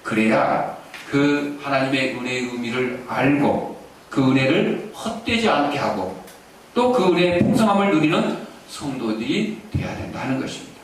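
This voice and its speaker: Animated preacher in an echoing church. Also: male voice, mid-range voice, normal speed. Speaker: pastor. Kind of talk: sermon. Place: church sanctuary. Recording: echoey church, distant mic, faint hiss.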